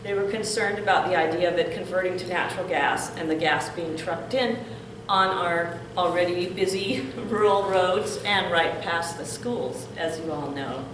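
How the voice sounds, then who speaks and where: A woman's voice: lowish voice, moderate pace. Older lady welcoming folks at a town meeting, chatty, laughs a lot, far from the mic, big echo. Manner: warm-voiced, outgoing, laughs often. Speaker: community organizer giving welcome. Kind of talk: public meeting remarks. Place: community meeting hall. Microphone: room mic at a distance. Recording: echoey room from far off, noisy.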